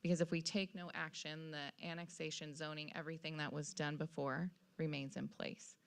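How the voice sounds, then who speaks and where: A woman's voice: deep voice, little pitch movement, normal speed, vocal fry, smooth. An American woman speaking as mayor at a council meeting, plainly and carefully restating and checking each point. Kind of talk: formal public meeting discussion, plain-spoken. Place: council chamber, public meeting.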